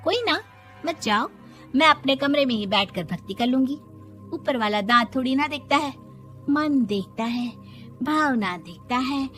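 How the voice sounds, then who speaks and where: A woman voicing a brash, sharp-tongued young daughter-in-law in an animated story, talking back with mocking, drawn-out retorts. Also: high voice, faint music behind. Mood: sassy.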